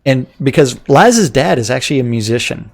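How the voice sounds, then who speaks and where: A man's voice: mid-range voice, lively intonation, fairly quick. A man co-hosting a casual live show, rambling through a community calendar and sponsor reads with stammered restarts and frequent laughter. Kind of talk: casual livestream chat.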